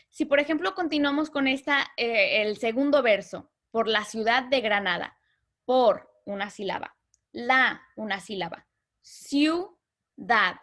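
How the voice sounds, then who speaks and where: A woman teaching a literature lesson, patiently explaining terms and slowly counting out syllables. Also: sits high, a bit bright.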